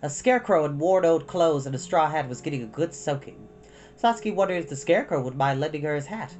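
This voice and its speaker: Low-voiced, lively woman reading a story. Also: quick pace, soft background music. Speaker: storytime reader. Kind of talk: expressive children's storybook narration.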